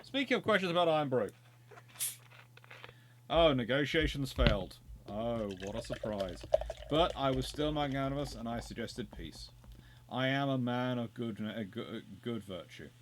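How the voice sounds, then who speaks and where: In casual live gameplay commentary on a naval strategy game, an English host with a Surrey accent chats, jokes, and thinks aloud, restarting often. His voice is medium-pitched and animated at a normal speed, over slight background noise.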